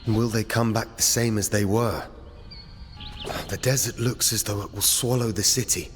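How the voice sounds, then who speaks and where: An actor playing a resolute, earnest young warrior on a rescue mission in a video game. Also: male voice, on the low side, steady tone, moderate pace, close to an everyday voice. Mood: curious. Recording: long reverb, music behind. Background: game music.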